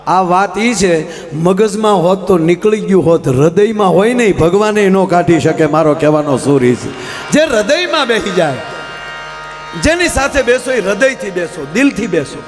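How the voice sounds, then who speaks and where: This folk comedian spins homespun funny tales before a big live stage audience, frequently addressing them as "sir." He has a high voice with lively intonation and speaks at a normal speed. Faint music plays behind him in a reverberant live hall with a faint mains hum.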